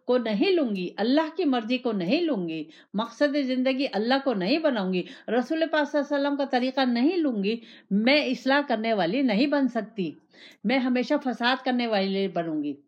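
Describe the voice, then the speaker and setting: A woman's voice: on the high side, expressive. A woman giving an Islamic sermon, repeating phrases and asking rhetorical questions in the first person. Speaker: religious teacher. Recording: dull lo-fi recording.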